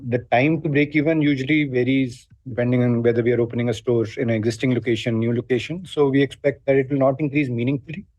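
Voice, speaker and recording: A man with an Indian accent answering haltingly as a company executive on an earnings call, over dull online call audio. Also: mid-range voice, dry recording.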